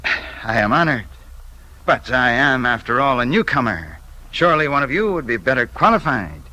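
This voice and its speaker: An actor playing a brash, ambitious American investigator in a 1950s radio drama, folksy and halting. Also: male voice, medium pitch, sing-song, sharp tone, poor audio. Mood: eager. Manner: folksy, hesitant with many ums.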